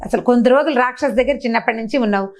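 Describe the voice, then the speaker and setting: A woman playing an earnest young hero in a folk tale, pressing his bride to act. She speaks fast and urgently, in a fairly high voice. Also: close to an everyday voice.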